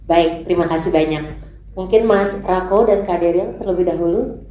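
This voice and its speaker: A woman moderating a press conference, brisk and polite, a bit off the mic in an echoey hall. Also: fairly low pitch, warm tone, a little hiss or hum.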